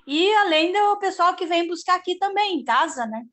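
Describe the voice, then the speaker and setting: A woman's voice: very high-pitched, animated, normal speed, a bit bright. A middle-aged woman from Brazil, an organic farmer speaking from home on a video call, chatting in a rambling way with many restarts. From southern Brazil. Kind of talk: casual video-call panel talk.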